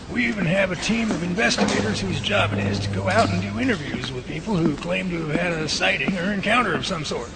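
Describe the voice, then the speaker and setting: A man playing a friendly, earnest science professor in an amateur radio drama, speaking in a genial, folksy, explanatory way. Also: gravelly. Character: friendly, earnest male science professor running Bigfoot lab. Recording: very noisy track, loud ambient rumble.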